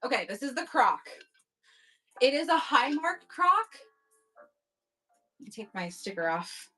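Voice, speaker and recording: A woman's voice: sits high, sing-song, a little slow, sharp tone, poor audio. A woman hosting a casual live online auction from home, chatty and upbeat, thanking bidders as she goes. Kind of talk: casual live-selling chat. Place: home at night.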